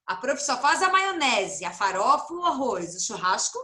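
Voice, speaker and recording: A Brazilian woman teaching young children in an online class, playful and sing-song, stretching words out slowly. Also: fairly high pitch, reverberant. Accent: Brazilian Portuguese. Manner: animated, drawn-out sing-song word stretching; playful, addresses pupils affectionately. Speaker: primary school teacher. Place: home, room with echo.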